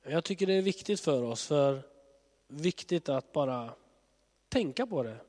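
Male preacher, slightly high, conversational and earnest, stuffed-up with a cold, reverberant hall. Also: expressive, a little mellow. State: has a cold. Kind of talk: sermon.

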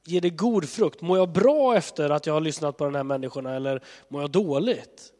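Male preacher, slightly high, conversational and earnest, stuffed-up with a cold, reverberant hall. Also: lively intonation, darkish tone. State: has a cold. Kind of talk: sermon.

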